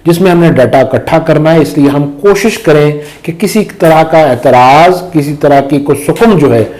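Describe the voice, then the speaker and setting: Pahari-speaking male commentator, pitched a bit high, emphatic and argumentative. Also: normal speed, darkish tone. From Azad Kashmir. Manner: emphatic, rhetorical questions. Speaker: guest commentator. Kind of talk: political discussion.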